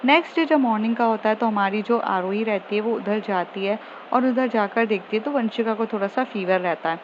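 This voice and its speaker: A woman's voice: mid-range voice, fairly quick. A woman narrating a love story in a casual, chatty way, often restarting her sentences. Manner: chatty, with many fillers and restarts. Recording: slightly muffled, faint hiss.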